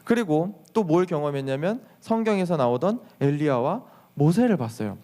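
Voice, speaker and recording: A young man, a youth pastor, preaching to teenagers in a lively storytelling way, asking the listeners questions and acting out what people say. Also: on the high side, moderate pace. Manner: lively storytelling, acts out quotes with exclamations; addresses the listeners directly with questions. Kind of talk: sermon to teenagers.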